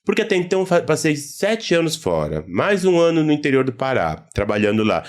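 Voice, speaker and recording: A man's voice: on the high side, big pitch swings, a little fast. A man with a Brazilian accent casually telling his own story as a podcast guest.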